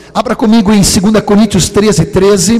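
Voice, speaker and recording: There is noticeable background noise as a man talks at a very slow pace. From Sweden. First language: Swedish (speaking Portuguese). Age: 60s. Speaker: pastor. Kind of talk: sermon.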